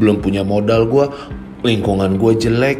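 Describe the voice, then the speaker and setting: With music in the background, a man speaks at a moderate pace and medium pitch, using ordinary pitch variation. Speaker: motivational speaker. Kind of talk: motivational spoken-word talk. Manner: casual Jakarta slang, direct.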